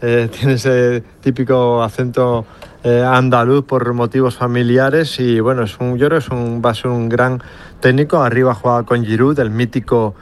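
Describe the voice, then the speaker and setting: A man's voice: mid-range voice, level tone, moderate pace, clean tone. Man giving analytical football talk. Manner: analytical, a few hesitations. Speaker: football commentator.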